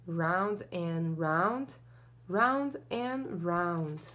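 A woman's voice: fairly low pitch, animated, drawn-out words, fairly bright tone. A young woman teacher reading a picture book aloud to children and singing along, cheerful and sing-song, recorded in front of a camera in a small classroom corner.

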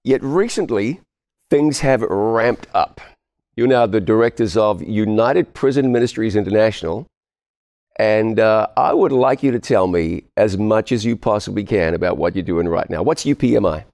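A man hosting a television interview, speaking in a measured, polished broadcast manner in a studio. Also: on the low side, darkish tone. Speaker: host. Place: studio set.

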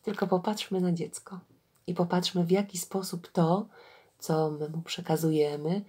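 A woman who teaches about children's reading, talking gently to parents and reading a fable aloud in an animated storytelling way. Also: fairly low pitch, normal speed, slightly rough.

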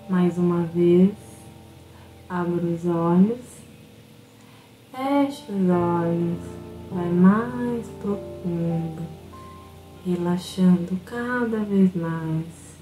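A woman with a Brazilian Portuguese accent guiding a self-hypnosis meditation in a slow, soothing, instructive way. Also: lowish voice. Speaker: hypnotherapy guide. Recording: roomy echo with soft music behind.

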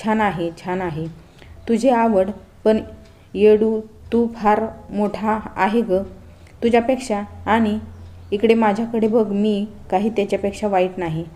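A woman's voice: mid-range voice, steady tone, unhurried, warm tone, natural voice. A woman voicing a confident young man who teases his bride-to-be in a playful, self-assured way. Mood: teasing.

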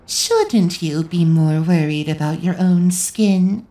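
A woman's voice: fairly low pitch, slow pace, warm tone, low-quality recording. A woman voicing a sardonic, cool young woman in a fan dub of an anime game. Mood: cool warning.

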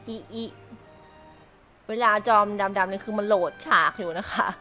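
A woman's voice: mid-range voice, steady tone, fast, bright, forceful tone, faint music behind. A woman gaming streamer giving casual gameplay commentary, chatty and giggly as she talks to her viewers.

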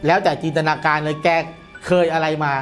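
Middle-aged man, high voice, rapid casual explaining, repetitive emphasis, faint music underneath. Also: little pitch movement. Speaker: guest commentator on a horror show. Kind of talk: casual explanatory studio chat. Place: indoor studio, seated at a desk.

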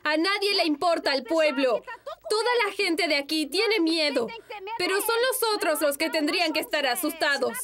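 A woman's voice: very high voice, animated, moderate pace, a crowd in the background. A woman speaking as a protesting villager, firm and indignant.

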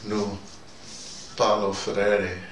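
A middle-aged American man giving a rambling, casual monologue to camera, halting and repeating words as he digresses. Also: on the low side, flat delivery, fairly bright tone. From North America. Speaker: host of a personal video dispatch. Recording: echoey room, distant mic, noisy background.

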